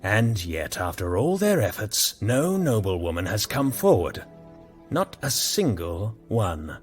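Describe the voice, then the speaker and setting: A stern, husky king. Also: on the low side, big pitch swings, slow, exaggerated voice. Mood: accusing. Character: stern commanding king, cold and brusque. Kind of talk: audio drama acting. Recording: music bed behind.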